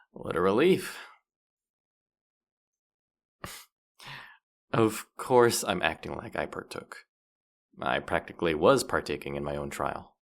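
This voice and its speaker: A man playing a playful, boastful demon guide to the afterlife in a roleplay audio drama, with a smug, teasing, theatrical delivery. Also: low-pitched. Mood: relieved, boastful.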